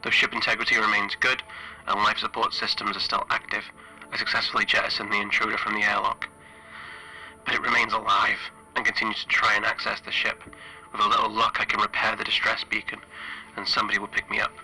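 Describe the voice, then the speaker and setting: A man playing a stranded, grieving spaceship engineer recording a radio-like log for a horror tabletop game, halting and deliberate with long pauses. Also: lowish voice, monotone, bright, forceful tone, husky, heavily acted, rough recording. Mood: formal, grim. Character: stranded male spaceship flight engineer, weary, grieving lone survivor.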